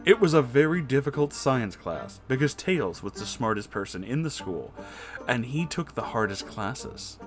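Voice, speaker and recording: A man's voice: medium pitch, very animated, normal speed, faint music behind. A man reading fan fiction aloud for comedy, mock-serious and amused, with dry asides. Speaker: reader.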